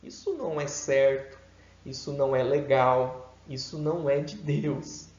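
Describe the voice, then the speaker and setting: A man with a Brazilian Portuguese accent teaching a seminary homiletics class in an emphatic, deliberate way, swinging his pitch and loudness for effect. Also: steady tone. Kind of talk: homiletics lecture. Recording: echoey room, dull lo-fi sound.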